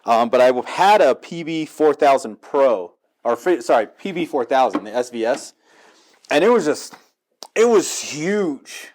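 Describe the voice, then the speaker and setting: A man chatting casually through a home theater walkthrough in his living room, telling it in a rambling, animated, slangy way. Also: medium pitch, moderate pace. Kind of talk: casual gear walkthrough chat.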